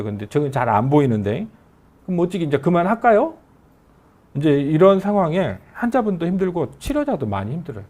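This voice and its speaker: A middle-aged man, an oncology professor with a regional Korean dialect, giving a conversational medical lecture. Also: fairly high pitch. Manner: animated, conversational lecturing that acts out patients' questions.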